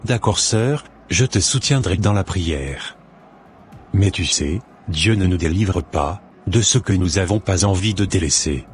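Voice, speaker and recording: A man voicing an earnest Christian big brother in a cartoon, speaking in a measured, didactic, preachy way. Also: low-pitched, expressive, faint music behind. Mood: earnest, exhorting. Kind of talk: scripted cartoon dialogue, expository.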